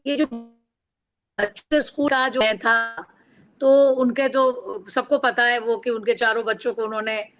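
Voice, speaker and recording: A woman's voice: a little high, fairly even intonation, unhurried, fairly bright tone, faint music behind, rough recording. A middle-aged woman author from Bihar answering interview questions earnestly and reflectively, with personal stories. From Bihar, India. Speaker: guest author.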